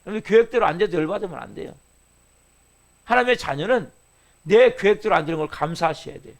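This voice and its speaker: Gravelly high-voiced man preaching. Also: animated, quick pace. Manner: preaching with constant rhetorical questions to the congregation; sudden swings between loud emphasis and soft asides. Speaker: pastor. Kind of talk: early-morning sermon.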